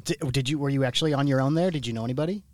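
A man's voice: mid-range voice, rapid-fire, darkish tone. A man hosting a podcast, asking rambling questions in a casual chat and laughing easily. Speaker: podcast host.

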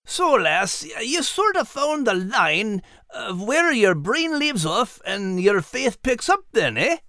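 A man voicing a good-natured, easily flustered, slow-witted male animal with a Scottish accent in an audiobook story. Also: medium pitch, sing-song, sharp tone, dry recording, studio quality, voice pushed up, exaggerated voice. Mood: jovial. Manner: folksy, halting, easily flustered.

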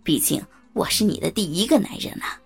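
A menacing male blackmailer, as a woman narrator puts him on, speaking low and gravelly with a breathy, husky edge. He taunts his victim slowly and coldly. Faint music plays beneath the audio story. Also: expressive, heavily acted. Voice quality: gravelly, husky whispery growl. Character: sinister leering adult male blackmailer.

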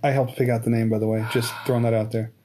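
A man's voice: mid-range voice, level tone, quick pace, dark tone. A man of forty hosting his own podcast, talking casually with many restarts and fillers. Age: 40s. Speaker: podcast host. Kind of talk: casual interview chat.

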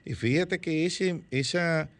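A man's voice: a little high, slow pace. A man who hosts a studio discussion, often agreeing briefly before adding his own points. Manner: affirming backchannels, then builds his own points. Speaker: host.

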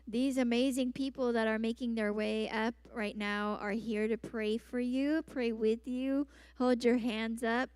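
A woman's voice: fairly high pitch, a little mellow, no room sound. A woman hosting a church service, giving upbeat, chatty announcements and healing words with playful asides. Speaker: church host making announcements. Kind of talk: post-sermon announcements and words of knowledge.

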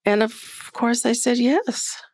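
A woman guest in an interview, telling a lively, candid story with frequent laughter. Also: fairly high pitch, takes it slowly, no room sound.

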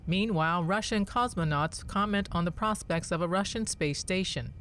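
A reporter reading scripted news in a clear, formal way. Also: mid-range voice, moderate pace, a bit bright, a little hiss or hum.

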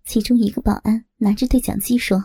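A woman narrating a novel in the first person as an audiobook, steady and even. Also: fairly high pitch, fast, husky, no echo.

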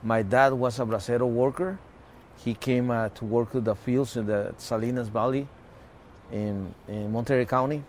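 Halting man. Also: mid-range voice, fairly even intonation, a little hiss or hum. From Mexico-California border region. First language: Spanish. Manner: halting, with many restarts and repeated words. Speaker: activist guest. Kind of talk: personal storytelling in conversation.

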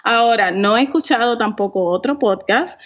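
A woman's voice: fairly high pitch, normal speed. Laughing woman, slightly muffled audio. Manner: laughs often, chatty and self-mocking; mixes in English words. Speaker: podcaster guest. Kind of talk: casual interview chat.

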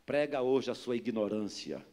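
A pastor with a Rio de Janeiro accent, preaching a sermon with lively storytelling that builds to loud, emphatic exhortation. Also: male voice, medium pitch, normal speed. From Rio de Janeiro area, Brazil.

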